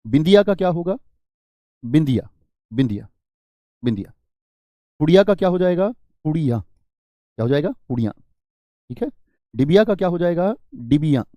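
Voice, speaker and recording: A man leads a live online grammar lesson, firing questions at his students and repeating each word. His voice is mellow and a little high. The sound is dry and close. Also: dry recording. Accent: Hindi. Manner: questioning, repeats words, reads out student comments. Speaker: teacher.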